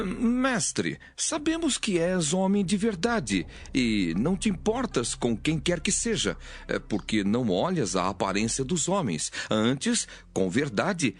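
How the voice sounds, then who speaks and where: A Brazilian man playing a sly Pharisee flatterer, oily and mock-respectful, in a dramatized audio Bible. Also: medium pitch, breathy edge, exaggerated voice.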